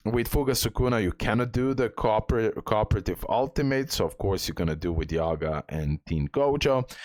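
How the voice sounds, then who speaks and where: A man's voice: lowish voice, no room sound, clean studio sound. A man giving casual gameplay commentary as the host of a game guide, repeating himself and checking in with the listener.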